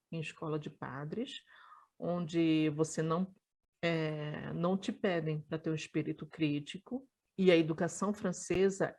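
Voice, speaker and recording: A Brazilian woman in her forties telling her life story in an interview, thoughtful and halting, with many restarts. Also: lowish voice, a little mellow. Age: 40s.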